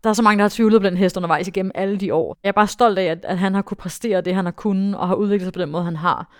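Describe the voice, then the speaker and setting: A young woman, a dressage rider, telling a story in a casual interview with lots of fillers and bursts of excitement. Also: mid-range voice, no room sound, clean studio sound. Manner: animated, excitable, many fillers.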